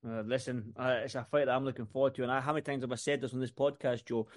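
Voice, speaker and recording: A man's voice: medium pitch, little pitch movement, very fast. A man from the UK co-hosting a boxing podcast, talking in a rambling, repetitive, casual way. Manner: rambling and repetitive, stacking up lists and restarts. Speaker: podcast co-host.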